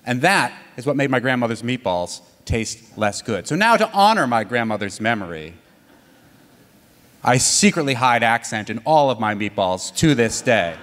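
A man's voice: medium pitch, very animated, moderate pace, a bit bright. A man hosts a live storytelling show, chatting through a humorous aside before bringing on the next teller. His voice sits in a middle register. The sound carries the long reverb of a hall. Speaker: event host. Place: stage in a hall.

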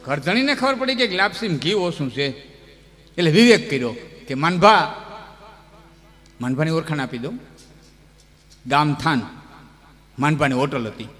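A man telling folk tales on a live stage, lively and chuckling, chanting verses between the stories. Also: a little high, normal speed, long pauses. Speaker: folk storyteller. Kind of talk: folk storytelling with recited verse. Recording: long hall reverb with music behind.

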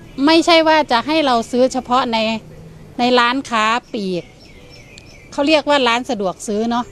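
A woman's voice: high-pitched, normal speed, a bit bright, a little hiss or hum. An older woman in a street interview outdoors in a garden yard, asking earnest questions one after another.

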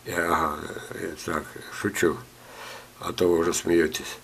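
An older man with a low voice talks through a gardening lesson at home and keeps stopping to cough. He reads letters aloud and drifts into chatty, joking asides. A faint hum sits behind him. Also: flat delivery, measured pace, gravelly, a bit bright. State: ill, coughing. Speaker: gardening teacher. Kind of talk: screen-share talk reading viewer letters.

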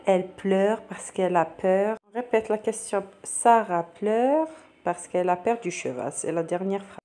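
A woman's voice: fairly low pitch, warm tone. Patient woman explaining schoolwork. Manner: patient, repeats questions and answers step by step. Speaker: teacher going over a practice exam. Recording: faint background noise.

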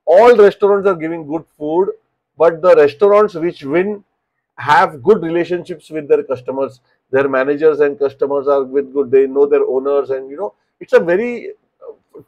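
Man, 30s, Indian English accent, business coach, animated, repeats himself, desk webcam, slightly high voice, dull lo-fi sound. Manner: animated, gestures with both hands, repeats words while explaining. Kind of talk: direct-to-camera advice talk. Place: small indoor home office.

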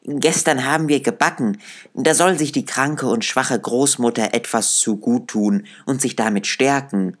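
A sweet, trusting little fairy-tale girl, as a man puts her on. The voice is pitched up, innocent and eager. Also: a little slow, natural voice.

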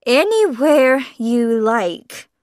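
A woman's voice: a little high, very animated, drawn-out words, dry recording, clean studio sound, heavily acted. A woman doing a dismissive police sergeant. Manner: dismissive and impatient. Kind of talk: audiobook character voice.

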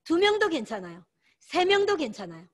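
A woman's voice: extremely high pitch, very animated, brisk. A woman giving a motivational training lecture, emphatic and exhorting, repeating her key words for stress. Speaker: sales team lecturer.

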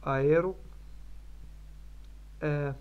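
A non-native man speaks in a slow, halting way, with a gravelly edge to his fairly high voice. He stops, repeats and corrects himself all the time. The stream audio sounds a bit muffled. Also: fairly even intonation. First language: not Spanish. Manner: hesitant, many fillers and restarts, self-correcting. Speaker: language learner streaming his practice. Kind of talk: halting live-stream practice talk.

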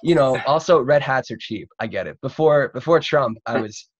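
A man's voice: mid-range voice, expressive, moderate pace, muffled recording. Young male host for a loose video-call interview, mid-range voice, effusive, swears casually. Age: young adult. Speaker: talk show host. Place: home room, on a video call.

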